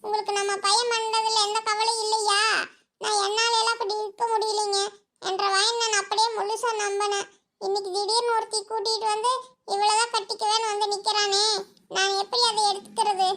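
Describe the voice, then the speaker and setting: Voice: very high voice, flat delivery, brisk, pushed and bright, exaggerated voice. A performer voicing an anguished village mother in a cartoon, with a Kongu Tamil accent and a tearful, reproachful way of pleading. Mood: hurt. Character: anguished village mother, grieving her son.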